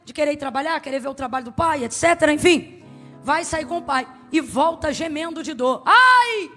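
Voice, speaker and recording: A woman preaching a sermon, emphatic, swinging from soft to loud and asking the congregation to answer back. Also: high-pitched, a little fast, soft background music. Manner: asks the congregation to respond.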